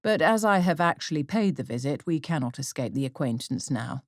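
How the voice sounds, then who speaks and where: A woman voicing a sardonic, reserved middle-aged father in an audiobook, dry, deliberate and mock-courteous. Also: deep voice, lively intonation, no room sound. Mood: mock serious. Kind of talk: audiobook character acting.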